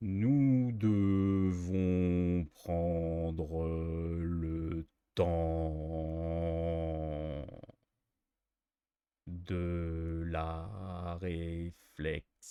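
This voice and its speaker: Using a put-on character voice, a man talks breathily at a very slow pace and a very deep, low pitch, leaving long, frequent pauses. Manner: drawn-out words, breathy sentence endings.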